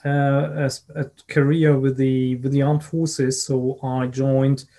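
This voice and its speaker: A man with a German accent speaks as a consultant guest in an interview. His voice is soft-edged and mellow, and his delivery is measured, with halting phrases. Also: medium pitch, little pitch movement. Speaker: guest, risk and crisis management consultant. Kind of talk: podcast interview answers.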